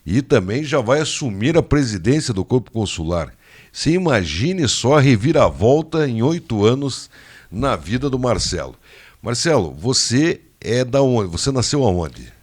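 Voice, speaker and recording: A man hosting a radio interview in a studio, chatty and quick to jump in with questions. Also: mid-range voice, sing-song. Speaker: radio host.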